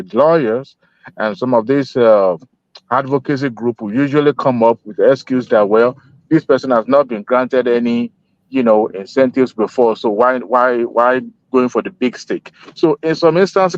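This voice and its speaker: A man's voice: mid-range voice, dry recording. Man on a lo-fi group voice chat. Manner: measured, argumentative, many hesitation fillers. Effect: heard over a group voice chat connection. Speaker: panel discussant. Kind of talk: debate on a group call. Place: at home in Texas. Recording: dull lo-fi online call audio.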